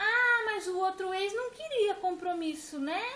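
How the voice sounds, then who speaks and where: A loud, animated woman's voice in a Brazilian accent, extremely high in pitch, bright and sharp in tone, with lively intonation. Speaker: vlogger sharing personal story. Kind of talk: personal testimony monologue.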